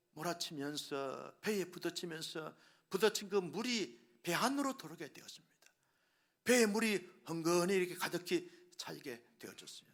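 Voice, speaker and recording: Dramatic high-voiced preaching man. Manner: dramatic storytelling, acting out quoted voices; swings between hushed whispers and loud exclamations. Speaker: pastor. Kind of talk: sermon.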